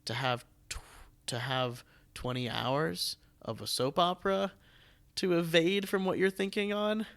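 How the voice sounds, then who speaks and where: A man hosting a casual interview, speaking haltingly and often rephrasing his questions. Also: on the high side, fairly even intonation, creaky, a bit bright. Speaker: podcast host, theatre producer.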